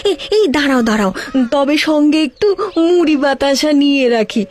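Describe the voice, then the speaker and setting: A woman doing a shrill naive farmer's wife. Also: expressive, moderate pace. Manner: naive, matter-of-fact, chatty. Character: naive simple-minded village farmer's wife. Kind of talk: cartoon voice acting. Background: background music.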